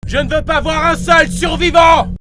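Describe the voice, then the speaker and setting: A man voicing a fierce, bloodthirsty warlord shouting battle commands in a video game. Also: very high-pitched, fairly even intonation, moderate pace, a crowd in the background, background noise, pitched above the performer's own voice. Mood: fierce battle rage. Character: fierce bloodthirsty warlord rallying his fighters.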